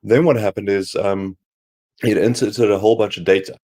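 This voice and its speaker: Hoarse man explaining tech stories. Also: on the low side, steady tone, moderate pace, a little mellow. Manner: explanatory, rambling with fillers. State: hoarse from a cold. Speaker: co-host. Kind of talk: casual tech livestream talk.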